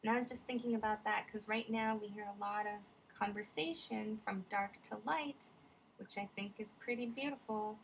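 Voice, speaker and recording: A woman's voice: medium pitch, steady tone, moderate pace, vocal fry, slight background noise, low-quality recording. A woman vlogger musing in casual, rambling reflective commentary, digressing often with many fillers.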